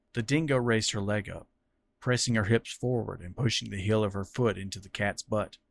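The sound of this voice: The background stays quiet while the text is read in an unforced reading voice.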